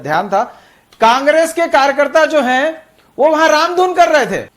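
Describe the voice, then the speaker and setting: A man's voice: very high voice, a bit bright. A male party spokesperson in a TV debate, combative and accusatory, talking over the others. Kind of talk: heated political debate.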